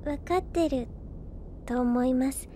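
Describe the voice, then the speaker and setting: Casting: a polite, gentle young girl, very high voice, earnest and devoted, anime radio play. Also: takes it slowly, a little hiss or hum. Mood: shy, earnest. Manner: polite, soft-hearted, earnest. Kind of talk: Japanese anime-style audio drama acting.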